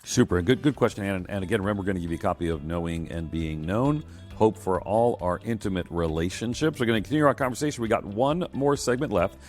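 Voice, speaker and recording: Host: middle-aged man, deep voice, upbeat, quick, soft music under. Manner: upbeat, quick, repeats himself. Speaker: radio host. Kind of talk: call-in radio talk.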